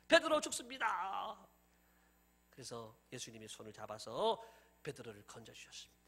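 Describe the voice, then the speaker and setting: Middle-aged guy preaching a sermon, really high bright voice, does little voices for the story parts. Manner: animated preaching, acting out scenes in different voices. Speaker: pastor.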